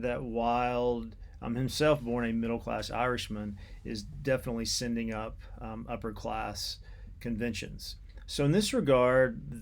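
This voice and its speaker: A man lectures on literature in a mid-pitched voice with noticeable creak. His delivery is unscripted and deliberate, halting to search for phrasing and repeating words as he explains.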